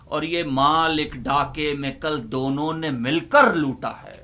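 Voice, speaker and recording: A Pakistani man hosting a humorous poetry reading, delivering verses in a theatrical, drawn-out way with repeated lines and banter. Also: a little high, bright, forceful tone. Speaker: host reciting humorous Urdu poetry. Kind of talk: dramatic comic poetry recitation with banter.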